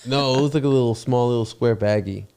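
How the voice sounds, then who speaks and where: Chill guy hosting a podcast, middle pitched voice, easygoing and laughing. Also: fast, clean tone. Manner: relaxed, laughs often. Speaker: podcast host. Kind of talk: casual chat.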